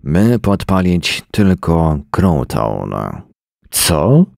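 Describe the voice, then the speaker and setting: A man reading the lines of a wary native tribal leader who speaks in slow, broken phrases. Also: low voice, animated, vocal fry, a little mellow, dry recording, clean studio sound, full character voice. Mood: calm.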